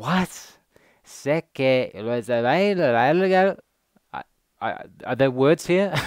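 In a British accent, a man with a fairly high pitch and lively intonation speaks at a very slow pace with long, frequent pauses, the sound dry with no echo against a quiet background. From England. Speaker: language learner youtuber. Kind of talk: casual talk to camera. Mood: confused, puzzled in reactions.

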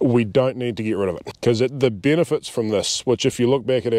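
A man with a New Zealand accent talks at a very fast pace in a dark, mellow tone, with ordinary pitch variation. The sound is dry with no echo, over a quiet background. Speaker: sheep and beef farmer. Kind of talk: casual chat. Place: open country.

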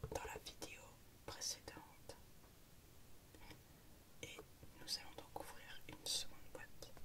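The whispered speech moves at a very slow pace, broken by long, frequent pauses. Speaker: card collector ASMR creator. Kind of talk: ASMR card opening. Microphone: handheld.

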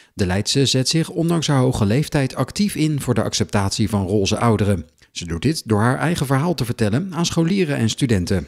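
Very wide pitch swings mark this man's medium-pitched voice as he talks at a fairly quick pace with hardly any pauses. The recording is very clean, with a silent background. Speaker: news reporter. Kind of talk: local news voice-over.

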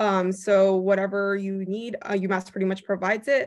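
Against a quiet background, a woman speaks at a moderate pace in a monotone with flat intonation. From Japan. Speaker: university student. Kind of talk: panel Q&A. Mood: friendly, enthusiastic. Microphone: video call.

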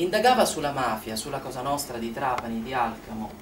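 A man talks at a fairly quick pace with noticeable background noise in the mix. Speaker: stage actor. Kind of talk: theatrical monologue narration. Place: stage. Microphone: camera far.

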